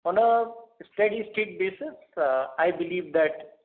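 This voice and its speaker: A man, a finance executive, giving unscripted earnings call answers in a halting, piece by piece way. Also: high voice. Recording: narrow phone conference line.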